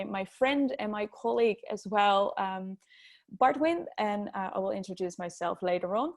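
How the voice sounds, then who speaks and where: A woman's voice: medium pitch, a little mellow. Dutch woman presenting, full of ums. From Netherlands. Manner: frequent ums, upbeat and eager. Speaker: agile coach presenting a webinar. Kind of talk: webinar presentation.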